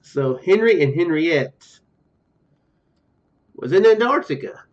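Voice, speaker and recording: A young video game streamer with a fairly high, expressive voice speaks slowly, reading game text aloud and drifting into joking asides during casual let's play commentary. He's indoors in a small room at home, recorded on a dull lo-fi mic with game music behind him.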